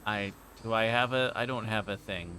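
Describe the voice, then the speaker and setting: A man's voice: on the low side, moderate pace, bright, forceful tone, a little hiss or hum. A man livestreaming a visual novel, switching between reading aloud and rambling, joking chat with viewers. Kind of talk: reading game text aloud mixed with casual stream chat.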